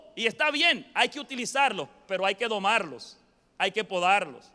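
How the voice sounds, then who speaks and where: A man projects his raised voice with a bright, sharp tone. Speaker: preacher. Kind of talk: sermon.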